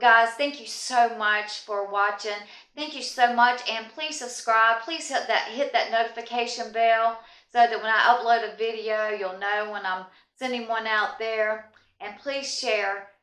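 A woman speaks at a fairly slow pace with a bright, sharp tone and fairly even intonation. Audible room echo surrounds her voice. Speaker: homesteading vlogger. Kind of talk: casual vlog chat. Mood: happy, warm sign-off. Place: home room.

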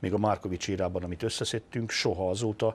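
A man with an ordinary speaking voice, fairly low in pitch, with fairly even intonation. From Serbia. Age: 50s. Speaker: radio journalist. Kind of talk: interview. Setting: studio. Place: studio. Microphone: lapel.

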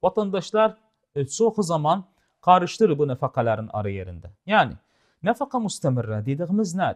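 Over a quiet background, a man with a high-pitched voice talks at a moderate pace, his pitch swinging very widely. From Iraq. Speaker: lawyer and TV legal show host; lawyer, TV legal show host. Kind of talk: educational legal talk show with call-ins. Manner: halting, many filler pauses. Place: studio. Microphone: lapel.

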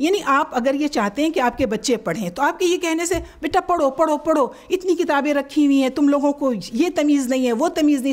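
This woman's voice sits at a high pitch with lively intonation. She keeps a moderate pace. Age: 60s. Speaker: author and professor; professor. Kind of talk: talk to an audience; interview answer. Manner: halting. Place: studio. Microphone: podium.

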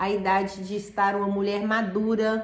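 The speech comes at a fairly slow pace. Audible room echo surrounds it. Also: woman. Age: 60s. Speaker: beauty vlogger. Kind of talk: product review tutorial; casual vlog chat. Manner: casual. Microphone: phone near.

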